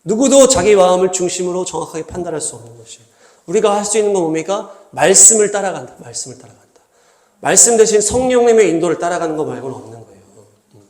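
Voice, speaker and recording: A man's voice: high-pitched, expressive, fast talker, a little mellow, reverberant. A man preaching a sermon as pastor, earnest and at times acting out the voices he quotes. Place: church hall.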